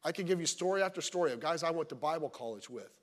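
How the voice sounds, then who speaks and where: Guy pastor preaching, chatty and funny, really expressive swoopy voice, church reverb. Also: on the high side, fast. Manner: conversational, humorous storytelling. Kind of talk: sermon. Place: church service.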